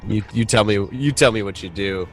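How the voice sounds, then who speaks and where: A man's voice: on the low side, brisk, slight background noise, poor audio. A man casually narrating a tabletop game as game master, in informal, sweary language.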